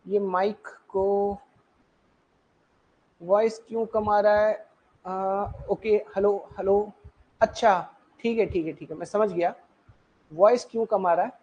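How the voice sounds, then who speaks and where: A man's voice: high-pitched, steady tone, slow pace, pauses often, darkish tone, highs cut off. A man teaching a live online exam-prep class on his own mic. He repeats himself and keeps checking in with his listeners. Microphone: own mic in a live online session.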